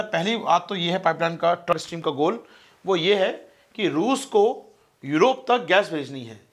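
Man, exam-prep teacher, online lecture, fast talk, higher voice, asks and answers own questions. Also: a bit bright. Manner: fast-talking, keeps calling listeners friends; asks the class questions and answers them himself. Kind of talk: online lecture explaining a map.

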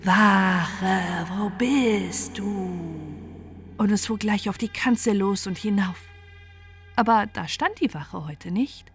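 Female bedtime-tale narrator: mid-pitched, expressive scripted reading with music behind. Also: normal speed. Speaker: storyteller.

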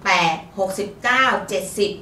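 Casual lottery-tip talk comes from a woman who serves as the fortune teller co-host of a fortune-telling show. She is polite and chatty, leans on frequent particles, and speaks at a normal speed in a fairly bright tone. Faint noise and a distant mic give the recording a roomy feel.

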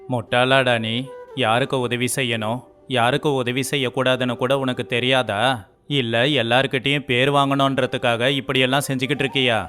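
A man's voice: medium pitch, a bit bright. A man voicing the brothers and cousin in a dubbed village story, arguing and pleading in everyday dialogue. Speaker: voice actor for all male characters.

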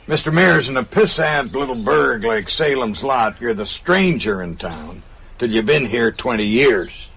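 An actor in a radio drama playing a shrewd, folksy small-town American police constable with a dryly understated, probing manner. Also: male voice, mid-range voice, lively intonation, unhurried, vocal fry, fairly bright tone, a little hiss or hum.

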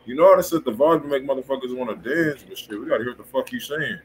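A man's voice: medium pitch, fast. A man hosting a music review stream, talking in casual, slang-heavy, blunt and profane chat. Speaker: music review show host. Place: indoor room, livestream. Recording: faint background noise.

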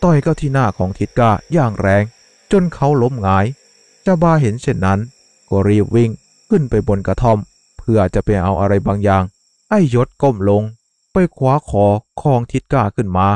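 A man narrating a dramatic horror story in a measured, suspenseful way. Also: mid-range voice, expressive, a little mellow, no echo. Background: faint music.

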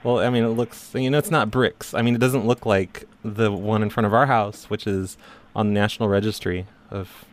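A man making a prank phone call, talking in a deadpan, hesitant way. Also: fairly low pitch, normal speed. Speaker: prank caller.

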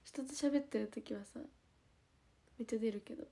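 Young idol streamer, Nagoya accent, mellow higher voice, relaxed, soft trailing ends. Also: female voice, moderate pace, gravelly, husky. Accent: Nagoya dialect. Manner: relaxed, chatty, trails off softly at phrase ends. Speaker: idol livestreamer. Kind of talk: casual livestream chat with viewers.

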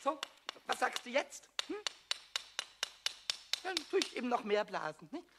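Small cheeky kobold: screechy, high-pitched, boastful, melodramatic, for a children's audio drama. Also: male voice, big pitch swings, measured pace, background noise, heavily acted. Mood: defiant, cheeky. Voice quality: squeaky, screechy. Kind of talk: German children's radio play.

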